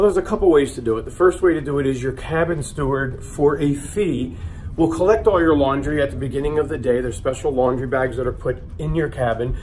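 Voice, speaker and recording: A man's voice: mid-range voice, darkish tone. A middle-aged man hosting a travel vlog, walking through a cruise ship laundry room and chatting in a friendly, self-deprecating way. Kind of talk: casual how-to vlog narration. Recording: echoey room, distant mic, hum.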